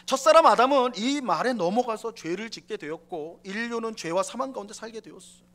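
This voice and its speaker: A male pastor delivering a Sunday sermon in a church, his voice sitting quite high for a man. He explains things conversationally, swelling to emphatic lines and then dropping to near-quiet asides. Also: animated, a little fast. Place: church sanctuary.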